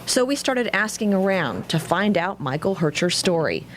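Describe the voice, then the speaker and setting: A woman's voice: mid-range voice, big pitch swings, moderate pace, slight background noise. A woman working as a television news reporter, delivering scripted narration and questions for a human-interest story.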